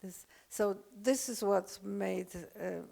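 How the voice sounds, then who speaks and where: An older woman with a Polish accent, lecturing unscripted, halting often with fillers and restarts. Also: mid-range voice, creaky, dark tone. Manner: hesitant, many fillers and restarts.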